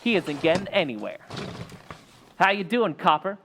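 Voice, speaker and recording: A man's voice: high-pitched, big pitch swings, moderate pace, fairly bright tone, slight background noise, heavily acted. A man playing a brash, defiant young suspect with slangy tough talk in an old-time radio drama. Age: young adult.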